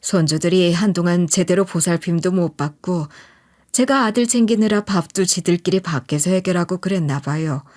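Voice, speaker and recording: A woman's voice: on the low side, moderate pace, a little mellow. Woman narrating a scripted story.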